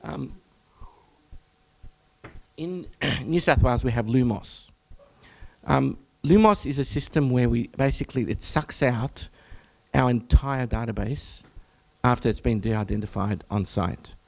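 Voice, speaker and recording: An Australian man, a general practitioner, presenting to health professionals at an information session, with a croaky, hoarse voice; he clears his throat often and breaks off to restart phrases. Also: mid-range voice, a little slow. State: hoarse, croaky from much talking.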